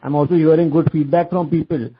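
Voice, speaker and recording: A man's voice: on the high side, steady tone, a little fast, slightly rough. A man calling in to an earnings call with a long question that he restates. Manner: wordy, circling back to restate the question. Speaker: analyst caller. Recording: muffled phone line.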